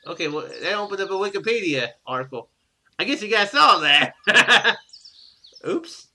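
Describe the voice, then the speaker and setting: A man's voice: high-pitched, sing-song, moderate pace, pushed and bright. A man hosting a gaming video, reading a visual novel's text aloud and dropping in casual, offhand comments. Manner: ad-libs offhand remarks, casual and informal.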